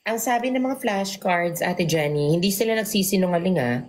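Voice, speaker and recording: A young woman reads flashcard answers in a teasing tone, her pitch moving up and down in lively swings. She talks in quick bursts of casual chat. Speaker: guest reading flashcards.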